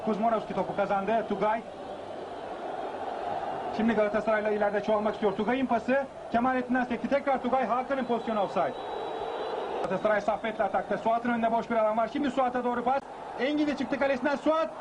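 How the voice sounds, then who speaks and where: A man calling a football match live on television in an excited, raised voice, with urgent short phrases. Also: extremely high pitch, fast talker, lo-fi sound. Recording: noisy old match broadcast with outdoor ambience.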